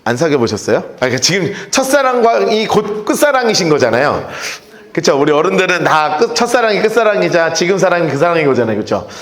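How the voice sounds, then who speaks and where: A man's voice: fairly high pitch, quick pace, reverberant. A middle-aged man preaching a sermon as a pastor, telling stories and acting out quoted voices. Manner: lively storytelling with acted-out quotes. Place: church sanctuary.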